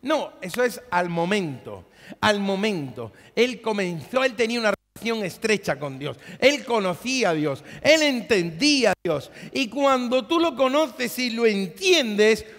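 A male pastor preaches with a high, lively voice that leaps and falls as he acts out dramatic scenes. The sound carries the long reverb of a large church hall. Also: a little slow. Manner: animated preaching, acts out biblical dialogue. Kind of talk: sermon.

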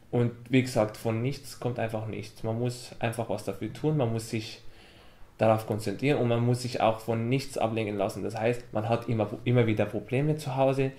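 A man's voice: medium pitch, darkish tone. A man in his twenties, a native Arabic speaker with an Arabic accent, giving earnest interview testimony. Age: 20s. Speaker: interviewee, young migrant. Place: medium-sized room with plants and bookshelves. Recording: roomy, echoing camera sound.

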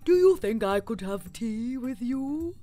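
Big hungry storybook tiger played by a woman, Scottish, courteous, unhurried, with widely swinging pitch. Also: animated, mellow, soft background music. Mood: polite, hungry. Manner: slow, courteous.

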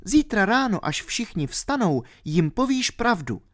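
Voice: mid-range voice, very animated, voice pushed up, natural voice. A reader voicing a ten-year-old girl, bold and determined, speaking eagerly and insistently in a storybook reading.

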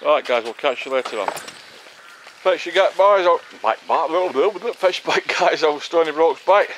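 A man's voice: a little high, moderate pace, a bit bright. Chatty middle-aged man vlogging outdoors. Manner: chatty, affectionate banter. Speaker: vlogger filming a camping trip. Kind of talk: casual chat to camera. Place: outdoors in woodland camp. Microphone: handheld camera, selfie distance. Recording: outdoor camera audio with clear background noise.

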